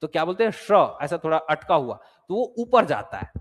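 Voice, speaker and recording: A man's voice: fairly high pitch, very animated, a little fast. A male teacher giving an exam-prep lecture, explaining step by step and repeating sounds aloud to drill them. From Chhattisgarh, India. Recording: long hall reverb.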